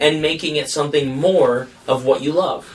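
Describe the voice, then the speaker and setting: A man's fairly high-pitched, normal speaking voice at a fairly quick pace. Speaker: podcast host. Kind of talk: casual chat.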